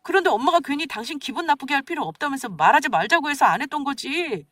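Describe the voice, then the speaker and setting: A sheepish husband who stammers and begs, as a woman reader voices him. The voice sits fairly high and swings up and down, heard dry and from a step back from the microphone in a storybook-style audio drama. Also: expressive, quick pace, a bit bright, no room sound. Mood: pleading. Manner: stammering, pleading. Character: sheepish scheming adult husband, man. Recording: dry, distant from mic.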